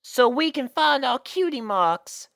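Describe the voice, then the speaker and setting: A woman's voice: high-pitched, expressive, unhurried, gravelly, a bit bright, no room sound, voice pushed up, exaggerated voice. A woman voicing a plucky young filly pony, earnest and eager, in a story reading.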